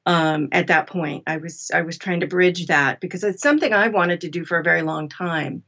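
A woman's voice: on the low side, moderate pace, fairly bright tone, highs cut off. A woman speaking as an interview guest, explaining her work in a casual, conversational way. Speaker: interview guest, audiobook narrator.

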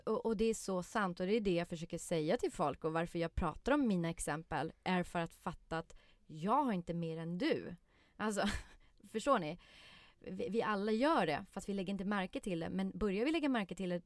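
A woman who is a guest on a podcast, telling a lively personal story in casual chat and acting out the quotes. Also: mid-range voice, no room sound. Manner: lively storyteller, many fillers and restarts, acts out quotes.

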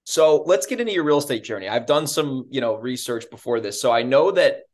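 Man, podcast host, casual upbeat chat, medium pitch. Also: lively intonation, a little fast. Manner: upbeat, conversational, frequent fillers.

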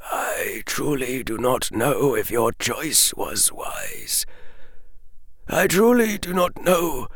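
A man voicing an ancient, grieving male wizard in a storybook reading, speaking in a hushed, breaking voice, slow and halting. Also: on the high side, animated, dry recording, clean studio sound, voice pushed up, full character voice.

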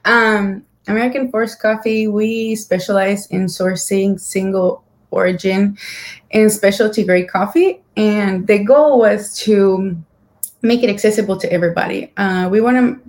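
A woman from Guatemala answering interview questions about her business in a relaxed way, with fillers and light laughs. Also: mid-range voice, a little slow. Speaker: business owner guest. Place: church building.

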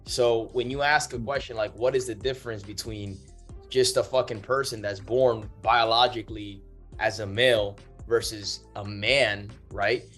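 A man's voice: fairly low pitch, a bit bright. A man from the Dominican Republic, raised partly in the United States, chatting emphatically as a guest, with swearing and frequent check-in questions. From Dominican Republic, moved to the United States at seven. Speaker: guest, men's movement leader. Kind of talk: casual motivational chat. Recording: music behind the voice. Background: music.

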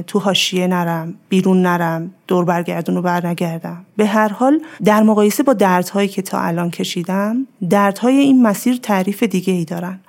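A woman speaking as a podcast guest, calmly explaining her ideas with everyday examples in a reflective, advising tone. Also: mid-range voice. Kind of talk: reflective advice in conversation.

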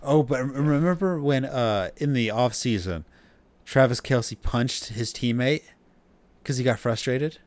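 A man's voice: mid-range voice, measured pace, darkish tone, no echo. A man co-hosting a podcast in casual chat, giving blunt, emphatic opinions. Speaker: podcast co-host. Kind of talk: casual fantasy football chat.

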